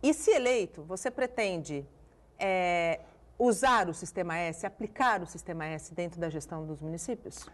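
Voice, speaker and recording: A Brazilian woman hosting a morning news show, asking questions in a lively, chatty way. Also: fairly low pitch, moderate pace. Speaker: TV news presenter and interviewer.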